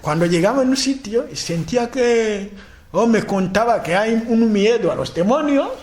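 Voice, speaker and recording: A man from Africa delivers a sermon in a high, light voice. He talks in halting bursts, repeating and restarting words. When he builds into chanted declarations, his pitch rises even further. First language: a language of his homeland. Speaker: preacher.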